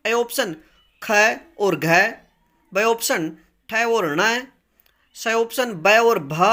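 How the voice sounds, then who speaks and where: A man's voice: extremely high pitch, bright, forceful tone. A man teaching as he runs a grammar quiz, reading each question and its options, then explaining the answer patiently.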